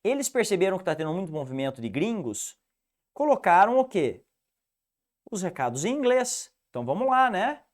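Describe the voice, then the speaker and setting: Brief: upbeat male teacher, Piracicaba rolled-R accent, lively pitch, slightly high voice, drills rules. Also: normal speed. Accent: Piracicaba interior São Paulo, rolled R. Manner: animated, didactic, repeats rules for the student. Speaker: English teacher. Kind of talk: online video lesson.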